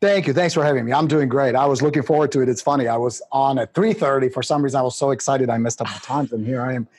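A man's voice: mid-range voice, fast talker, darkish tone, slightly rough, no room sound. A middle-aged man from Czechoslovakia, a guest on a podcast interview, telling his story in an exuberant, joking way.

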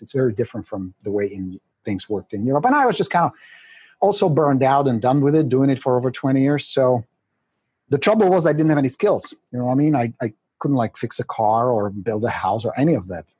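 A middle-aged man with a Czech accent talks as a podcast guest in a husky voice. He is lively and self-mocking and laughs easily. The sound is dry and close. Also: mid-range voice, dry recording. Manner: energetic, laughs often, self-mocking jokes. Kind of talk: casual interview chat.

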